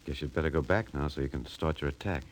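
An actor playing a rebellious, disillusioned space crewman, intense and brooding, in a 1950s radio drama style. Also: rumbling low. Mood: earnest, subdued. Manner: intense, brooding, halting at times. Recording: noisy vintage 1950 radio recording.

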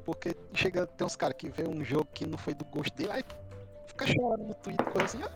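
A man on a remote call, talking casually with halting, repeated words while his audio glitches and cuts out. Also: on the high side, sing-song. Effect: glitching, choppy audio dropouts. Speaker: podcast panelist. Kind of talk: casual gaming chat. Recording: call audio cutting out, music behind.

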